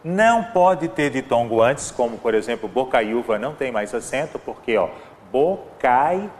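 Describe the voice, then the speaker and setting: A man's voice: medium pitch, lively intonation, moderate pace, in a large hall, slight background noise. A man with a Brazilian Portuguese accent teaching an exam-prep grammar lesson, walking through examples and often checking in with "né?". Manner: explanatory, repeats examples, frequent "né?" and "ó".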